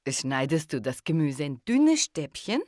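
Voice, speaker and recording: A woman's voice: deep voice, very animated, a little slow. An actress playing a kindly, inquisitive mother in a German audio drama. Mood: friendly, chatty. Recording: clear background noise with clicks.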